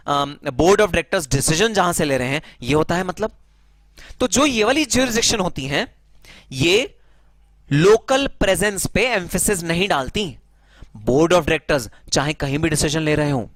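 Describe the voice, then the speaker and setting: A man's voice: fairly high pitch, fairly bright tone, no echo. A man teaching a tax lesson in a conversational way, mixing in English terms and calling his listeners brother. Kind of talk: classroom lecture.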